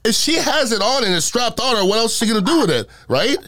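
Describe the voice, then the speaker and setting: A man's voice: very high-pitched, very animated, quick pace, a bit bright. A middle-aged man chatting casually and telling comic stories, blunt and emphatic, often repeating himself to drive a point home. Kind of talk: casual comic chat and storytelling.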